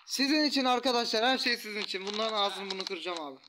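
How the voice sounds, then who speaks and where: A man commentating a mobile strategy game, taunting the enemy troops with rough slang. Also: high-pitched, expressive, quick pace. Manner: taunting, trash-talks enemies, rough slang. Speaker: gaming YouTuber. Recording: loud background noise.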